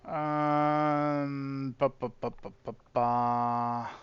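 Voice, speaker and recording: A man's voice: medium pitch, little pitch movement, very slow, smooth, muffled recording. A man casually chatting with his live-stream audience while setting up soldiers in a game, often trailing off and restarting.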